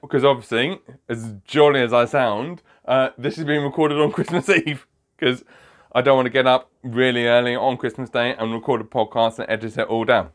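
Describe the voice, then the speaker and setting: A man hosting his own podcast as a magician, casually telling a funny story, laughing often and wandering off topic. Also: mid-range voice. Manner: chatty, laughs often, digresses.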